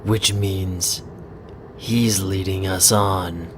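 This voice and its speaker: Man acting a slow, brooding boss. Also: low-pitched, fairly even intonation. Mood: tense brooding. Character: terse, brooding young master and employer. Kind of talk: audio drama acting. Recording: faint background ambient noise.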